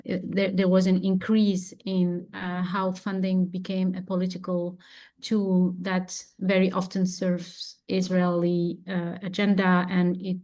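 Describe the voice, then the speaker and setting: Mellow low woman moderating, halting. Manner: halting, many fillers. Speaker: panel moderator. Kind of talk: moderating a conference panel.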